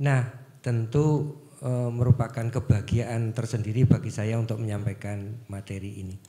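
The man's voice is dark and mellow, somewhat breathy, and medium in pitch. He holds a moderate pace with fairly even intonation. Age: 60s. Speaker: law professor; guest lecturer, law professor. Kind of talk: lecture. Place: hall. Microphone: handheld.

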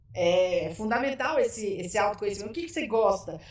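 A woman speaks with audible room echo. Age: 50s. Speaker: speech therapist and parenting educator; parenting educator. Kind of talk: interview. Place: studio.

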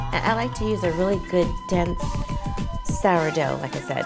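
A woman keeps a moderate pace, with clear music audible behind her. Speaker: home cooking show host. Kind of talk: tutorial. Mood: warm and enthusiastic. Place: kitchen. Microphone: lapel.

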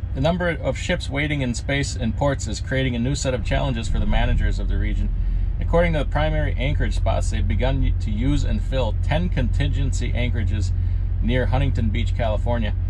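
Over noticeable background noise, a man talks at a fairly quick pace with very even loudness. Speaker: truck driver vlogger. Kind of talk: casual vlog commentary. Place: car. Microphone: phone near.

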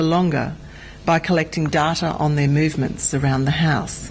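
Over light background noise, a woman with a plain, everyday voice talks at a moderate pace and a fairly low pitch. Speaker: government minister giving a conference speech. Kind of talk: prepared speech. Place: hall. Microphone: podium.

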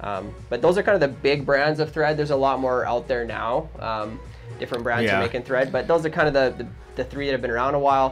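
A very fast male voice over faint music in the background. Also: ordinary pitch variation. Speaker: fly tying host. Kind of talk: casual explanatory talk on a live show. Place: studio.

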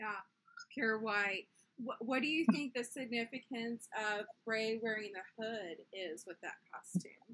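With an unremarkable speaking voice, a woman talks at a fairly high pitch and a fairly slow pace, with ordinary pitch variation. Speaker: podcast co-host. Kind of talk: casual chat.

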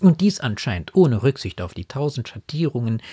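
Dry and close with no echo, the voice has a dark, mellow tone, is somewhat breathy and swings very widely in pitch. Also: man. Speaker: video commentator. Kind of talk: angry rant / opinion commentary. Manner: indignant, fuming, sharply sarcastic; formal, deliberate, elaborate wording.

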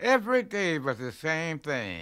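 A man speaks with a bright, sharp tone and very wide pitch swings. The background is quiet. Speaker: interviewee. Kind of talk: interview answer. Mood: reflective, sometimes animated storytelling. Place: home room. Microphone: lapel.

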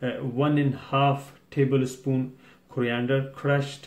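Somewhat breathy and flat in a monotone, a man speaks fairly slowly amid audible room echo. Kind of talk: tutorial. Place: kitchen.

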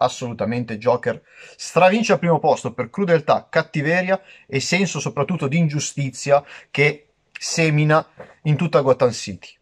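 A somewhat breathy male voice at a moderate pace, ordinary pitch variation, long and frequent pauses, and a quiet background. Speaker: youtuber. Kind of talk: casual vlog chat. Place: home room. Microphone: webcam.

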